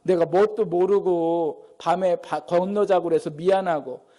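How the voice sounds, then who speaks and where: A man playing a gently apologizing teacher. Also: high voice, steady tone, unhurried. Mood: sorry.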